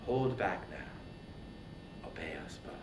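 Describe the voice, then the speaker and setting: A man voicing a commanding war goddess in an epic tale, solemn, composed and measured. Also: low voice, animated, distant mic, voice pushed down. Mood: calm, solemn. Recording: roomy echo, faint background noise.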